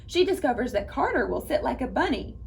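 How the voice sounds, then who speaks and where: Female children's storytime reader, lively pitch swings, gravelly creak at times, talks straight to kids. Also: fairly quick, a little hiss or hum. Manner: animated, addresses young listeners directly. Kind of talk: read-aloud children's storytime.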